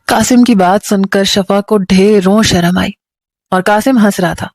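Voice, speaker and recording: A woman narrator telling a moral romance story in an even, measured way. Her voice sits at a middle pitch. The recording is dry and close, with no room sound. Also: no echo.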